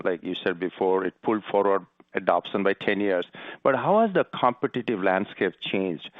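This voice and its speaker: A man's voice: lowish voice, no room sound. A man speaking as a financial analyst, putting questions to company executives over a phone line. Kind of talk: polite question on an earnings call. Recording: dry, narrow phone line.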